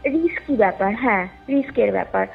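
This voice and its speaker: A woman telling a story conversationally over a call, with hesitant, drawn-out and repetitive phrasing. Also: mid-range voice, animated, creaky, husky. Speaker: caller telling a ghost story. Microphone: phone call. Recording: muffled lo-fi call with music underneath. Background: music.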